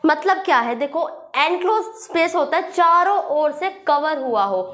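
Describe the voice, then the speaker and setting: High-voiced woman teaching English grammar. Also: lively intonation, a bit bright. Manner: repetitive, checks understanding with "thik hai"; reads English example sentences slowly. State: sore throat with a slight cough. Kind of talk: classroom lesson, explaining with examples.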